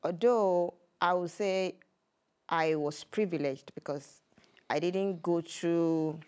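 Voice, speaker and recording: Nigerian woman guest, low-pitched, chatty, hesitant, quick to laugh, TV studio interview. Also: darkish tone, clear, resonant tone. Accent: Nigerian English. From Nigeria, Edo State. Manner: hesitant, restarts often, laughs easily. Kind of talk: casual interview answers. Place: community TV studio.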